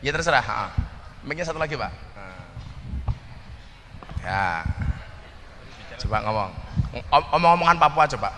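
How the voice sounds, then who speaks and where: A man's voice: medium pitch, animated, moderate pace, long pauses, bright, forceful tone, big-room sound, a little hiss or hum. A man giving a humorous religious talk, teasing audience members and slipping into Javanese. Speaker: preacher.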